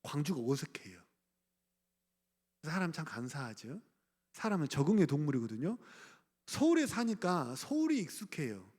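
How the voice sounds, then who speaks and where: A man's voice: on the high side, sing-song, normal speed, long pauses, a little mellow. A middle-aged man from Gwangju preaching a sermon as pastor, speaking conversationally, asking the congregation questions and chuckling. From Gwangju, South Korea. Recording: church hall reverb.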